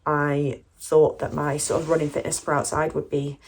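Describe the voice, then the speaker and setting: A woman's voice: deep voice, level tone, normal speed. A British woman chatting casually to camera as a vlogger, in a candid, rambling, slightly hesitant way. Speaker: running vlogger.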